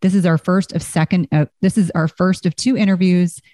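A woman's voice: lowish voice, fairly even intonation, brisk, warm tone, no echo. A woman, a nurse practitioner, hosting a health podcast with an earnest manner, reading an introduction and then interviewing.

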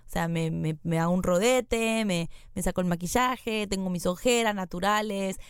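A woman's voice: mid-range voice, moderate pace, clean tone, no room sound, clean studio sound. A young woman with a Rioplatense accent co-hosting a casual podcast, playful and teasing. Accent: Rioplatense Spanish. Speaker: podcast co-host.

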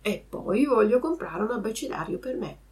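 A woman voicing a naive, excitable wooden puppet boy in a storybook reading. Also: fairly high pitch, normal speed, distant mic, natural voice. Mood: eager.

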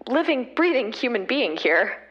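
An actress playing a charming, inexperienced young starship captain, talking eagerly over a radio link. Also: female voice, fairly high pitch, very animated, moderate pace, husky, lo-fi sound.

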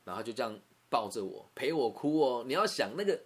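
A man's voice: mid-range voice, expressive, fairly quick, husky. A young man from Taiwan with a Taiwanese Mandarin accent, telling a personal story in an emotional, conversational way. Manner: emotional, conversational, repeats words and asks "you know?".

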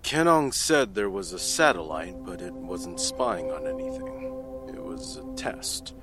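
A man playing a deep-voiced offhand analyst. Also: huge pitch swings, a little slow, over music, exaggerated voice. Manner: casual, offhand, conversational. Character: candid, casual male government analyst. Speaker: CIA technical analyst testifying. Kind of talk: audio drama acting.

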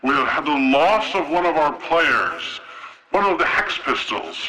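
A man putting on a pompous arena announcer in a fantasy game whose voice is magically amplified and booms from a distance. He proclaims grandly with a bright, sharp edge, and his pitch leaps high and swoops low. The voice sits fairly high for a man. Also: very animated, a little slow, exaggerated voice. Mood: grandiose. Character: pompous male arena announcer booming over a crowd. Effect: magically amplified booming voice. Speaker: game master.

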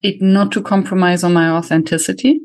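A native German speaker hosts a conversational podcast in English with a German accent. The voice sits at a middling pitch, and the delivery is thoughtful and questioning. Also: fairly even intonation, a little fast. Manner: thoughtful, asks questions, speeds up when explaining.

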